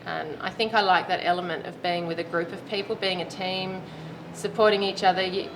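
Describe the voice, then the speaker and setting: A chatty woman in her late thirties speaks with a slightly low voice. She answers interview questions easily and laughs now and then. Steady background noise sits under the recording. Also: brisk. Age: 30s. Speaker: roller derby player interviewee. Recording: noisy background.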